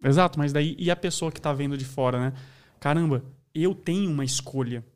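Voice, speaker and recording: A man talking in a casual podcast chat, an animated storyteller who says "né" and "daí" a lot. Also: on the high side, a little fast. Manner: animated storyteller, acts out voices.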